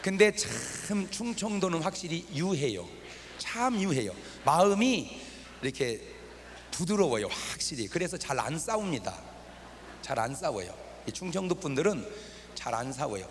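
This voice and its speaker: A man's voice: on the high side, very animated, moderate pace, a little hiss or hum. A male pastor preaching at a revival meeting, joking and quizzing the congregation with questions. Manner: humorous, teasing the congregation with questions. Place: church hall at a revival meeting. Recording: reverberant hall from a TV broadcast.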